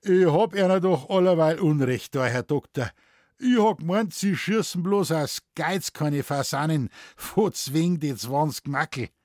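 A man voicing a sly, gruff old forest warden who speaks in broad Bavarian dialect, drawling and mischievous. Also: a little high, lively intonation, unhurried, a little mellow, dry recording, clean studio sound, voice pushed up. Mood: dry.

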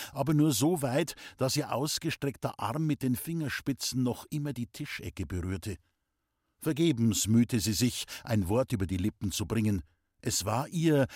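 A man narrating a classic novel as an audiobook, calm and measured in his storytelling. His voice has a mid-range pitch and sounds dry and close, with no room around it. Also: dry recording. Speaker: audiobook reader. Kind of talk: scripted narration.

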